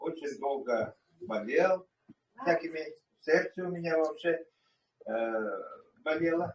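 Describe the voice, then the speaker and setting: There are long, frequent pauses as a man speaks very slowly in a fairly high voice. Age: 70s. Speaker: health product testimonial giver. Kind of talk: testimony. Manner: halting.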